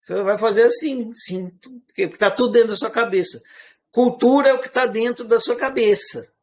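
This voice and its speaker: A man with a Brazilian accent that is partly from Minas Gerais and partly rural caipira, giving an informal, animated lecture full of rhetorical questions. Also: very high-pitched, normal speed. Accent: Brazilian Portuguese, part Minas Gerais, part rural caipira. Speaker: teacher.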